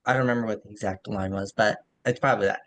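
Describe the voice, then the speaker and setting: A man's voice: fairly low pitch, fairly even intonation, rapid-fire, a bit bright. A man co-hosting a podcast, discussing literature casually and qualifying his points as he goes, on slightly poor audio. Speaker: podcast co-host.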